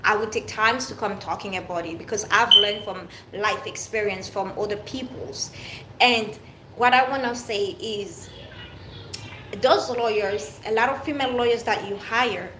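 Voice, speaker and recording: A woman's voice: mid-range voice, measured pace, pushed and bright, echoey room, slight background noise, low-quality recording. A woman from Haiti, raised in France, speaking with a French-tinged accent in an unscripted personal monologue to her viewers, emphatic and repetitive with frequent restarts. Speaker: vlogger.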